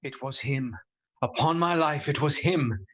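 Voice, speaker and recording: An actor playing a shaken but earnest and insistent young husband in a radio drama. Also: male voice, a little high, measured pace, a bit bright. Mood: shaken, urgent. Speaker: actor in a live radio play. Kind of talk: theatrical radio drama acting.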